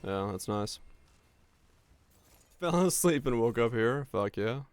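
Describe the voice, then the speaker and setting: A man's voice: mid-range voice, expressive, takes it slowly, clear, resonant tone, dry recording. A young man from Finland with a neutral North American accent, chatting casually and ramblingly with his stream viewers and swearing now and then. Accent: neutral North American English. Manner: laid-back, rambling, swears casually, restarts often. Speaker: game streamer.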